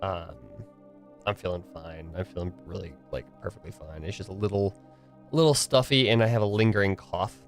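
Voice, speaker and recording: A man's voice: deep voice, steady tone, fairly quick, soft background music. A young man streaming solo, rambling casually with lots of fillers, his voice a bit stuffy and nasal from a cold and tired from the morning. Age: young adult. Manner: rambling, filler-heavy, restarts often.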